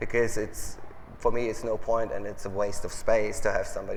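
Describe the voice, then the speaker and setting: Over noticeable background noise and audible room echo, a man with a German accent talks at a very fast pace. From Germany. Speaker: fashion magazine editor. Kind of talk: panel interview at an event. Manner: halting.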